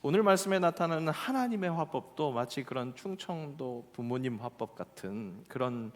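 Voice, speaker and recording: A male pastor from Seoul delivering a Korean sermon, telling folksy stories with acted quotes and slowing down for emphasis. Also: medium pitch, animated. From Seoul, South Korea. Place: church sanctuary. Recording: church hall with long reverb.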